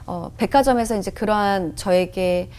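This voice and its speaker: A woman telling her faith testimony as a guest on a Christian talk show, an animated storyteller, recorded in a television studio. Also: mid-range voice, moderate pace, clear, resonant tone. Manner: animated storyteller who acts out her own past outbursts.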